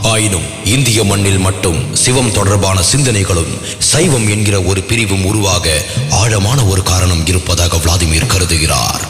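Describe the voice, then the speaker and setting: A man reading solemn scripted narration in a formal, measured manner. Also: lowish voice, a bit bright. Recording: echoing long reverb, music behind.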